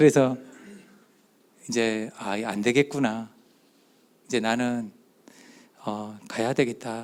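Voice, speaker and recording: A man speaks with a strong Gyeongsang accent. His intonation stays fairly even. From South Korea, Gyeongsang (Daegu and Busan). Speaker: church elder and doctor giving a talk. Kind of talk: testimony lecture at youth retreat.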